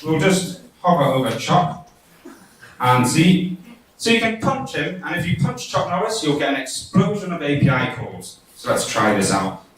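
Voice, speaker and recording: A man from the UK, presenting his team's coding bootcamp app in a relaxed, chatty way. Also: fairly high pitch, moderate pace. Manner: relaxed, chatty, laughs at his own demo. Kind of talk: demo presentation. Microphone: distant from the mic. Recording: echoey hall audio from far off.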